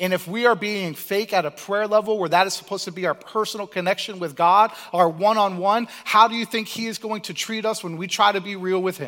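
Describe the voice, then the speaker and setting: A man with a high pitch, an animated tone and a fairly quick pace. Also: hardly any pauses. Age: 20s. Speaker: preacher. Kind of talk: sermon.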